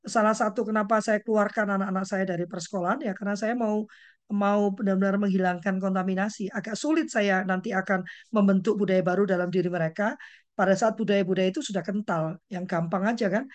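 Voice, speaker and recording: A woman's voice: medium pitch, fairly even intonation, brisk. A woman hosting a parenting discussion who talks bluntly and emphatically. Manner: blunt and emphatic, acts out quoted voices. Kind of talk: outspoken panel discussion.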